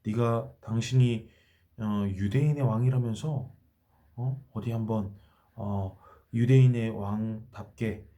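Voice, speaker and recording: A man's voice: on the low side, steady tone, takes it slowly, mellow. A man voicing cruel, jeering soldiers taunting a prisoner in a children's Bible story. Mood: mocking. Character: mocking soldiers, adult men, cruel.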